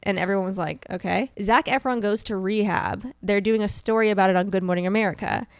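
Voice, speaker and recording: A woman's voice: medium pitch, fast talker, a little hiss or hum. Giggly woman podcast host. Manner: giggly, animated storyteller who keeps breaking into laughter. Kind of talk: casual chat.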